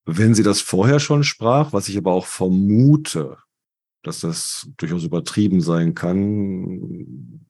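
A man co-hosting a podcast discussion, talking in a measured way with frequent fillers. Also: low voice, a little mellow, breathy edge. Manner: slow, measured, with many fillers. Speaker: podcast co-host.

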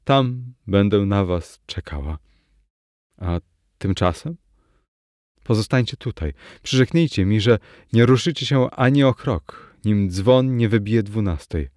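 A man voicing an earnest, secretive young village girl in a storybook reading, speaking softly. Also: lowish voice, expressive, a little slow, dry recording, studio quality. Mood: tender pleading.

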